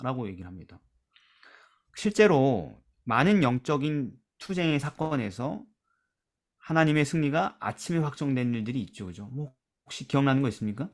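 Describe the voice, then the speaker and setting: A man's voice: sing-song, normal speed. Man leading a scripture discussion. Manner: asks questions and drops to a soft low voice at phrase ends; reads scripture aloud with emphasis. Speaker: Bible study discussion leader. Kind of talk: church lesson discussion.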